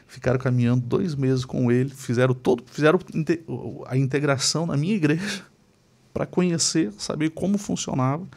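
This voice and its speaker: Pastor guest with a gravelly voice, tells stories animatedly. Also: male voice, medium pitch. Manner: animated anecdote teller. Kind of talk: casual chat, storytelling.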